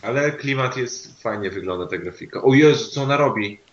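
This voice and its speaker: A man in a casual gaming chat with friends, excitable and quick to swear. He sounds set back in an echoey room, with a dull, muffled tone. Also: mid-range voice. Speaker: gaming commentator. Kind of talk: casual chat watching game trailers.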